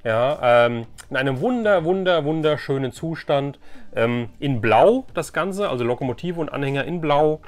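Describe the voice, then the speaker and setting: A man's voice: a little high, lively intonation, normal speed. A middle-aged man hosting a casual, chatty toy-collecting vlog in a rambling, enthusiastic way. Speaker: host of a vintage toy collecting channel. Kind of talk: casual chatty flea market haul vlog. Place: room at home.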